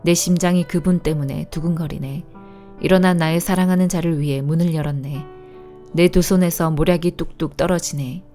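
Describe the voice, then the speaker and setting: Calm woman reading scripture over music. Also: deep voice. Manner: steady, calm, measured reading. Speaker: Bible reader. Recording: soft instrumental music behind.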